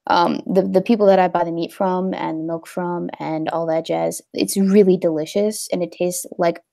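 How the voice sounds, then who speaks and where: A woman's voice: lowish voice, flat delivery, moderate pace, creaky, mellow. A young woman hosting a casual livestream, talking in a rambling, hesitant way with many fillers. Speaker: livestream host.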